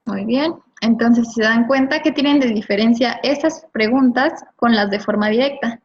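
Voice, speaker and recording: A woman's voice: a little high, normal speed. A woman teaching a grammar lesson to a class, prompting students with questions and checking their answers. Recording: dull lo-fi recording.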